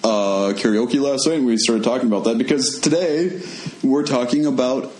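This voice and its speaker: A man's voice: mid-range voice, moderate pace. Young male co-host, laid-back, walks through ideas step by step; roomy sound. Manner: relaxed, explains step by step with many fillers. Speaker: podcast host. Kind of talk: casual chat and explaining. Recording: echoey room with faint music.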